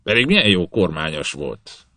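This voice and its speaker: A man's voice: low-pitched, sing-song, sharp tone, dry recording, full character voice. A man reading an audiobook, voicing a cruel, menacing old ship captain with a white beard. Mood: scornful. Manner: menacing, blustering, hisses threats. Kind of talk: audiobook character voice.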